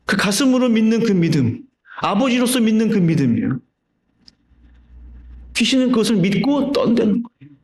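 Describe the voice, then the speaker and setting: A man's voice: high voice, very animated, moderate pace, long pauses, darkish tone. A man preaching a sermon as pastor, telling stories and asking the congregation rhetorical questions. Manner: conversational storytelling with rhetorical questions. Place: church sanctuary. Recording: roomy church reverb.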